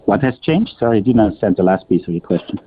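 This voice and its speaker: Male executive, low register, halting and explanatory conference-call answers with repeated words, thin telephone audio. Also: animated, slightly rough. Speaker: company executive answering analyst questions. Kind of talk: spontaneous earnings call answers. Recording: muffled, narrow-band phone conference line.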